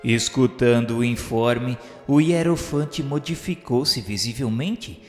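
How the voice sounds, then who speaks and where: A man's voice: medium pitch, natural voice. A man narrating a radio drama in formal, literary scripted prose. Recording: echoing hall reverb, faint music. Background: faint music.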